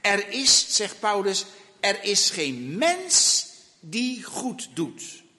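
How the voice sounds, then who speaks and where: A man preaching a sermon slowly and emphatically, asking rhetorical questions of his listeners. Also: high-pitched, big pitch swings, sharp tone, big-room sound.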